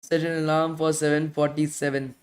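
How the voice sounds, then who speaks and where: Here the instructor speaks a little fast, with a fairly high pitch that barely moves. He's casually taking questions in his live online bootcamp, repeating points, closing phrases with "guys," and losing his voice from daily speaking.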